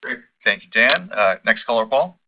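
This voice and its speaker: A man's voice: mid-range voice, lively intonation, normal speed. A man moderating an earnings call, handing questions along over muffled conference audio.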